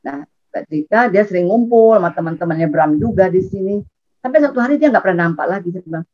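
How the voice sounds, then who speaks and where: Animated middle-aged woman telling a testimony. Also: fast talker. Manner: animated, acts out dialogue with sudden high pitch jumps. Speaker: church testimony speaker. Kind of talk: personal testimony storytelling. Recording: dull lo-fi recording.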